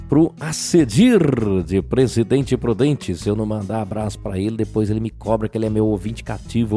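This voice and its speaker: A Brazilian man with a low, slightly hoarse voice hosts a casual religious radio show. His chatty delivery swings freely up and down, and faint music plays behind him. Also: warm tone. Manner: chatty, frequent tag questions. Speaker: radio host.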